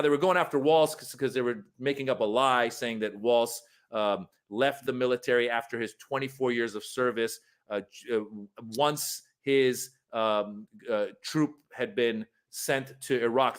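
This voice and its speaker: Man from Iran, political commentator, earnest and argumentative, mid pitch.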